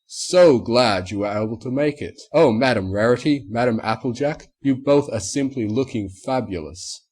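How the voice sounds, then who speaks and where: A man's voice: mid-range voice, normal speed, a little mellow, husky, natural voice. A man voicing a grandiose, flamboyant stallion who organizes the show, in a storybook reading. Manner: flamboyant, gushing.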